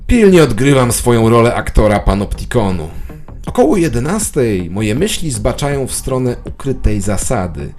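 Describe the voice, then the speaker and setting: Over faint music comes a man acting a suspicious office drone narrating his dreary day in an audio drama. His pitch moves in lively swings. He sounds obsessive, conspiratorial and bitterly sardonic. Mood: paranoid, bitter. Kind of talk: scripted audio drama monologue.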